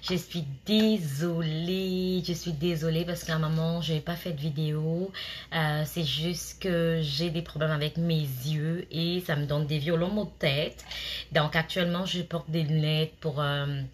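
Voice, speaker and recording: A woman's voice: deep voice, steady tone, a little slow, a little hiss or hum. A woman in her thirties who moved to Canada, chatting to her viewers and giving job interview tips, with many fillers and restarts. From immigrant to Canada. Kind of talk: casual advice talk to camera.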